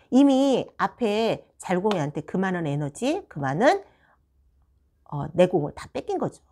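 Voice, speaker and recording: A middle-aged woman teacher telling a story from her classroom in a storytelling monologue, acting out the dialogue as she goes. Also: mid-range voice. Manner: animated, acts out quoted dialogue. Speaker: study room teacher.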